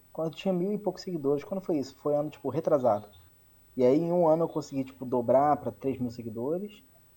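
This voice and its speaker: A man's dark, mellow voice sits fairly high in pitch, with ordinary pitch variation. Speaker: podcast co-host. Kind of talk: casual chat. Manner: halting.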